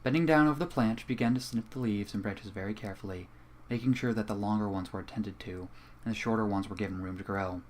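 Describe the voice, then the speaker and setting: A young man reading a fan story aloud in a calm, even way at a home microphone. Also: on the low side, fast. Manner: casual and profane in the intro, then calm and even while reading. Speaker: fanfiction reader. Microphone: home computer microphone.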